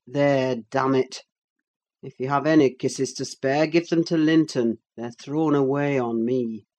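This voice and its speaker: A woman voicing a bitter, scornful middle-aged landowner in an audiobook, speaking in a gruff, contemptuous way. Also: a bass voice, steady tone, unhurried, warm tone. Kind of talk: audiobook character voice.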